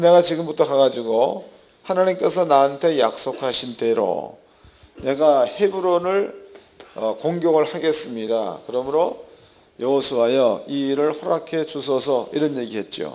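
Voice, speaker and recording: Amid noticeable background noise and audible room echo, a man speaks at a fairly slow pace with a fairly high pitch and ordinary pitch variation. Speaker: pastor. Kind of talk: bible lecture.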